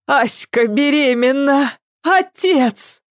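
Woman reader voicing a worried mother, grumbling and fretful, lively pitch, dry mic. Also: slow, no room sound. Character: fussy, worried middle-aged mother.

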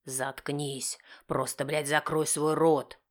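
A woman voicing an enraged middle-aged husband who snarls harsh, cursing retorts in her own low voice. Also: little pitch movement, slow. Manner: harsh, snarling through teeth.

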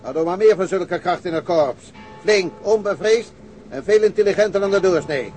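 An actor playing a formal, self-assured police chief giving orders in a radio drama. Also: male voice, sits high, normal speed, a little mellow, faint music behind, natural voice. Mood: confident. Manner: formal, official phrasing. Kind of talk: Dutch radio drama acting.

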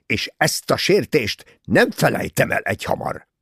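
A man's voice: mid-range voice, very animated, gravelly, fairly bright tone, husky, no echo, pitched above the performer's own voice, full character voice. A man voicing a proud, indignant older doctor from Switzerland in an audiobook, blustering and emphatic. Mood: outraged, blustering.

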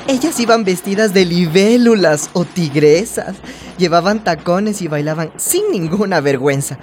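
A woman's voice: fairly low pitch, lively intonation, normal speed, background noise, lightly acted. An actress playing a hopeful young trans woman from a small town, narrating her story earnestly in a radio drama. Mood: earnest, nostalgic. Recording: music bed behind the voice.

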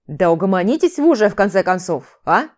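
A woman's voice: mid-range voice, big pitch swings, brisk, natural voice. Woman doing a grumbling, hissing young mage. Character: grumbling young male mage, sharp-tongued student.

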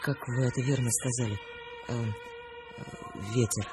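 A man's voice: mid-range voice, fairly even intonation, normal speed, natural voice. An actor playing a sensitive young man, a wary dreamer, in a radio drama, questioning and earnest. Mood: earnest, intrigued. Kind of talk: Russian radio drama acting. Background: music.

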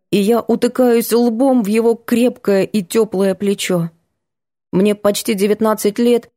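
A woman narrating a novel in the first person, with expressive, ironic storytelling. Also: mid-range voice, no room sound, clean studio sound. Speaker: audiobook narrator.

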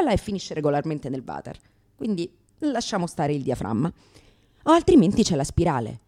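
A woman's voice: fairly low pitch, dark tone. A woman performing a theatrical comic monologue as a brash, neurotic lesbian comedian, sardonic, exclamatory, crude and self-mocking.

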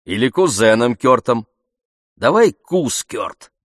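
A man's voice: mid-range voice, big pitch swings, slow pace, dry recording, clean studio sound. A man voicing an easygoing adult man who jokes and teases in a friendly way. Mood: playful. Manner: playful, teasing.

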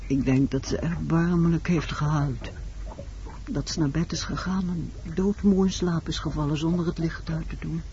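A woman's voice: deep voice, steady tone, normal speed, dark tone. A muffled old radio play recording with some background noise carries a haunted woman. She is insistent and pleading, brooding over the night with dramatic intensity. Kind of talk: Dutch radio play acting.

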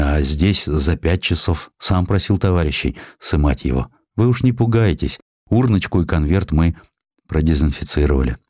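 A man voicing an old, plain-spoken army medic in an audiobook, halting, folksy and apologetic. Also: low voice, darkish tone, dry recording, clean studio sound.

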